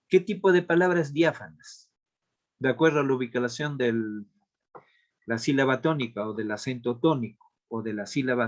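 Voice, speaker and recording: A male language teacher giving a lesson on accent marks, explaining step by step and repeating key points. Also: mid-range voice.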